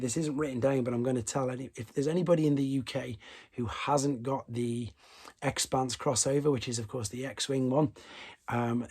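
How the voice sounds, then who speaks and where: Hoarse man chatting toy news. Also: mid-range voice, a little mellow. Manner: chatty, rambling with asides and self-corrections. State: losing his voice. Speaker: toy collecting channel host. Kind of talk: casual toy news roundup.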